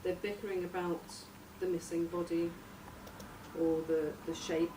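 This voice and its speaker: A woman informally pitching a story outline in a tentative, halting way, searching for her words. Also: little pitch movement. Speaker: workshop participant presenting a radio drama outline. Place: echoey room, recorded from a distance. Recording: roomy, distant mic, noisy background.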